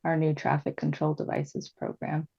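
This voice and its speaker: A woman on city staff answering questions at a committee meeting in a formal, measured way, addressing the chair. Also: low voice, little pitch movement, creaky, mellow, breathy edge, highs cut off. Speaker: city traffic staff member.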